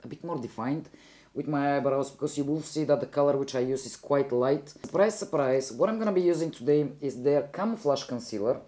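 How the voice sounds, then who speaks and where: Bulgarian-accented woman, mellow chatty voice. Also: a bass voice, fairly quick. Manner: chatty, rambling, self-correcting. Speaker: beauty vlogger. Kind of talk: casual makeup tutorial chat.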